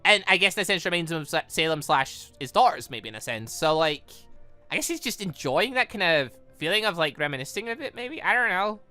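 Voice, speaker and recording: Animated British gamer, bright and rambling. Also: male voice, sits high, brisk, soft background music. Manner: rambling, stumbles over words and corrects himself. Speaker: gaming video host. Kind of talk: casual let's-play commentary and read-aloud of a visual novel.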